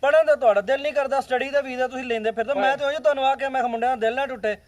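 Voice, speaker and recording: A man with a Pakistani Punjabi accent playing a bossy, impatient village man in an amateur drama, loudly talking over the others. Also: very high voice, steady tone, racing, dry recording. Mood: insistent.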